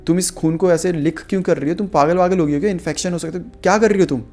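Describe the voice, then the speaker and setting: A narrator doing a bewildered young man, worried and pleading. The voice is gravelly and dark, and it climbs higher as his alarm builds. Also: brisk, soft background music, lightly acted.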